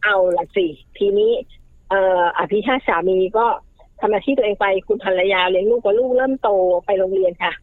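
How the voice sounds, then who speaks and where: A woman guest giving family advice in casual talk, animated, acting out quoted lines as she explains. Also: medium pitch, a little fast, no room sound. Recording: tinny phone-like line, dry.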